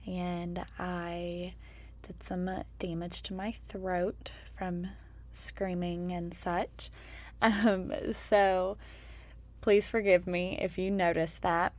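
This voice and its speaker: A woman in her twenties hosting her own podcast, speaking hoarsely after straining her voice, and talking in a candid, reflective way about her own experience. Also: lowish voice, flat delivery, drawn-out words, a little mellow. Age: 20s. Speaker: podcast host. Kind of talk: personal podcast monologue.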